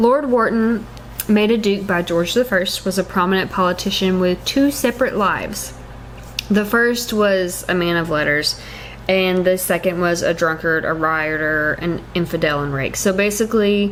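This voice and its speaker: Against noticeable background noise, a woman with a Southern US accent speaks at a moderate pace in a medium pitch with ordinary pitch variation. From US Southeast. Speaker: podcast host. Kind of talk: casual chat. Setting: living room. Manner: hesitant, many fillers.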